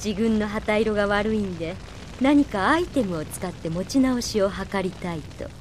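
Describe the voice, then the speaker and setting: A woman's voice: medium pitch, animated, moderate pace, slight background noise, lightly acted. A woman playing a bold, confident young fighter with an assured, spirited delivery in a radio drama. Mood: cool, taunting. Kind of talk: Japanese anime-style radio drama acting. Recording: music behind the voice.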